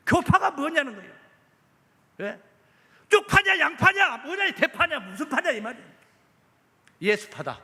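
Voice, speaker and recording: A man's voice: very high-pitched, bright, forceful tone, husky. A man, preaching a sermon as pastor, emphatic and full of rhetorical questions. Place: church sanctuary. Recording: echoey church hall.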